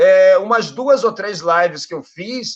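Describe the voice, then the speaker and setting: A high-pitched man's voice with lively intonation. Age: 60s. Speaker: actor. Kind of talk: interview. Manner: halting.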